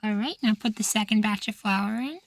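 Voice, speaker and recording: A man playing an affectionate, easily flustered young femboy househusband in an intimate ASMR roleplay, speaking in a soft, feminine, coaxing way. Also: high-pitched, a little fast, creaky, no room sound. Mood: gently coaxing. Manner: coaxing, gently praising, sweetly apologetic.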